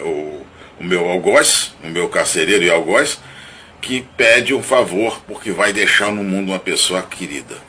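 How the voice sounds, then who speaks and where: A man with a low-set voice and a bright, forceful edge, thinking aloud slowly and picking his words as he goes. He restarts phrases often and qualifies what he says. A faint hiss sits under the recording. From Brazil (Rio de Janeiro). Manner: halting and searching, with many restarts and repeated words; thoughtful, hedging, self-analytical. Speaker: narrator recounting and analyzing his own dream. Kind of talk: reflective spoken monologue.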